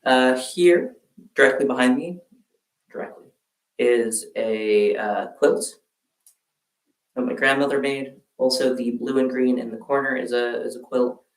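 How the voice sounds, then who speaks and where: Slow, gravelly man chatting in a roomy space. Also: medium pitch, recorded from a distance. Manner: relaxed, halting, chats to viewers while working. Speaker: streamer. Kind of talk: casual crafting livestream chat. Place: room at home, quilt behind. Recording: roomy sound from off-mic.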